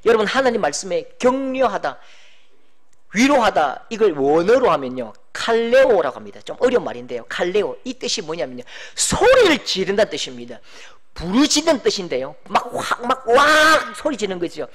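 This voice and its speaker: A middle-aged pastor preaching a sermon, animated, acting out quoted voices and shouting for emphasis. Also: male voice, high voice, normal speed.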